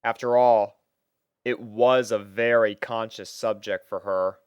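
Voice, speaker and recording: Clear, smooth-voiced male narrator. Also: on the low side, fairly even intonation, takes it slowly, no echo, studio quality. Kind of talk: scripted story narration.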